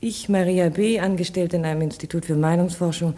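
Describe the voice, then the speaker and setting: An actress playing a resolute, dreamy young clerk in love, speaking solemnly in a 1950s radio play. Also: female voice, lowish voice, fairly even intonation, brisk, dark tone, lightly acted.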